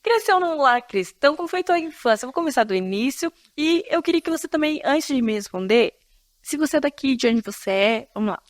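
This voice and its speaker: A woman pastor from Florianópolis hosting a faith podcast, talking in a lively, expressive way with frequent laughter and asides to her listeners. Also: high-pitched, fairly quick, no room sound. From Florianópolis, Brazil. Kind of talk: casual faith-based podcast conversation.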